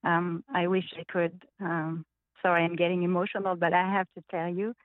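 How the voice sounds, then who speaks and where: A woman's voice: lowish voice, little pitch movement, normal speed, no room sound. Heartfelt woman caller on a tinny phone line. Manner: heartfelt, hesitant, with many "uh"s. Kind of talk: casual phone call.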